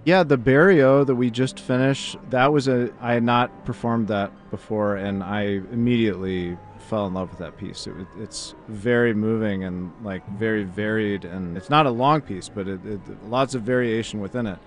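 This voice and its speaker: Low-voiced relaxed orchestra percussionist man. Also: moderate pace, few pauses. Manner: relaxed and explanatory, casual fillers. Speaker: principal percussionist. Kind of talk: intermission interview.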